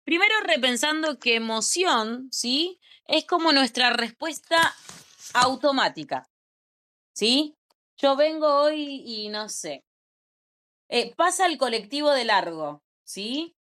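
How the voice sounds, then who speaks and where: A young woman with an Argentine Spanish accent teaches an informal class. Her voice sits a little high, and she keeps it conversational, often tossing in quick check-in questions to her listeners. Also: expressive, bright, forceful tone.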